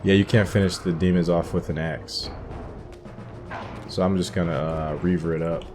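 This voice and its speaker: A gaming streamer offers casual commentary for his viewers while playing through a video game, with game music behind him. His voice is low-pitched, with fairly even intonation, at a normal speed.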